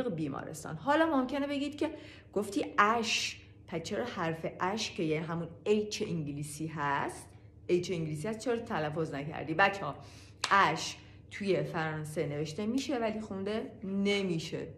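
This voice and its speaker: A woman teaching a language lesson in a casual way, saying each word slowly and repeating it. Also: mid-range voice, a bit bright, echoey room. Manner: repeats words slowly and clearly. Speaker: French teacher.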